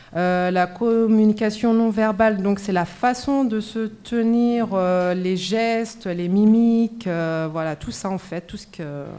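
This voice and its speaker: At a very slow pace with hardly any pauses, a woman speaks at a fairly high pitch in a dark, mellow tone, with ordinary pitch variation and big swings in loudness. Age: middle-aged. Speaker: job seeker in training. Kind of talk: testimony.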